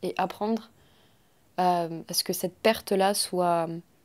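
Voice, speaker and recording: The speech comes in a flat monotone and moves at a very slow pace. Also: woman. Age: 30s. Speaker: sex worker and union spokesperson; union spokesperson. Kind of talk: oral history interview. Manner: halting, with many fillers. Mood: reflective, calm. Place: studio.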